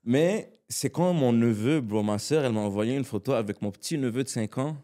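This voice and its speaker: A man's voice: medium pitch, brisk. A man, a comedian and actor, telling stories as a podcast guest in slangy speech that slips into English. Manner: animated, slangy, mixes in English. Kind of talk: casual storytelling in conversation.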